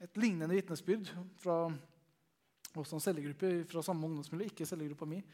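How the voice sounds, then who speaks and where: A man's voice: on the high side, dark tone. A young man telling a Christian testimony, chatty and full of fillers. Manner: storytelling, conversational with many fillers. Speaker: Christian youth leader giving testimony.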